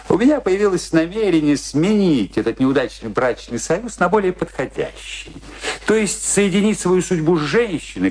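An actor playing a vindictive, pompous older military husband in a radio play, with a deliberate, mock-official and theatrical delivery. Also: male voice, a little high, darkish tone, slightly rough, exaggerated voice.

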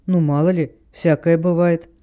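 A man playing a sensible teenage girl sleuth with a raised, mellow voice. She speaks firmly yet gently, reasoning things through in an audiobook. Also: fairly high pitch, level tone, moderate pace, highs cut off, natural voice. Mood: persuasive. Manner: firm but gentle, reasoning.

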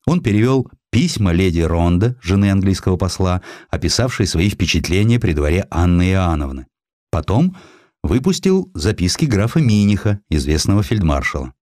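A man reading a literary history audiobook in an expressive, theatrical storytelling manner, acting out the dialogue as he goes. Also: deep voice, no echo, clean studio sound. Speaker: audiobook narrator. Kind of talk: expressive scripted literary narration.

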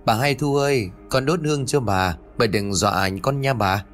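A man's voice: medium pitch, normal speed, faint music behind, close to an everyday voice. A man voicing a timid young servant girl who pleads in a raised voice. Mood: pleading.

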